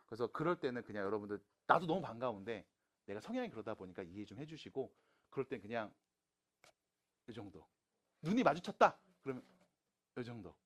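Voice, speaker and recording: 활기차게 설명하는 남자 수학 강사. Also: male voice, mid-range voice. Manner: casual, teasing, mixes polite and plain speech with students. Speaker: math teacher at a cram school. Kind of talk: classroom lecture. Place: classroom.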